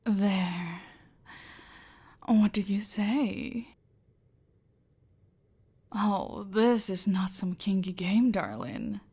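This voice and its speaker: A domineering female cartel boss, played by a woman, hands out orders in a slow, unhurried drawl that often drops to a whisper. Her voice carries a gravelly edge, and every word is measured and controlling. It sits in an ASMR roleplay. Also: medium pitch, expressive, warm tone, full character voice. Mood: silky, menacing.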